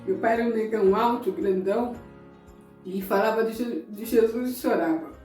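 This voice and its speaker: A middle-aged Brazilian evangelical preacher, a woman with a fairly high voice, speaks at a normal pace in an emotional sermon-style talk, addressing her viewers directly and conversationally and sometimes nearly crying. The mic is distant in an echoey room, with soft guitar music playing.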